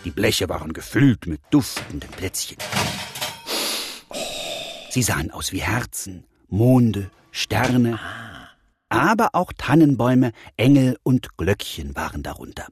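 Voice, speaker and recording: Gentle male storybook narrator. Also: fairly low pitch, very animated, slow, slightly rough.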